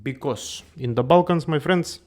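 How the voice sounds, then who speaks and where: A man's voice: on the high side, normal speed, darkish tone. A man hosting a comedic finance show, playful and exaggerated, repeating "my friends" again and again. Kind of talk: comedic character monologue.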